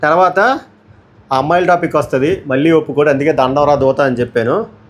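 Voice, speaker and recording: A man giving a casual, opinionated review of a reality show episode, blunt and quick, often dropping in English words. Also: on the high side, fairly even intonation. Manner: blunt, rapid commentary mixing English words.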